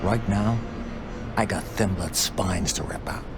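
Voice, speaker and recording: An actor playing a crude, mocking, menacing vampire sheriff in a video game. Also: male voice, low-pitched, unhurried, vocal fry. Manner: crude, taunting, drawling threats. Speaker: vampire enforcer. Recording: loud music behind the voice.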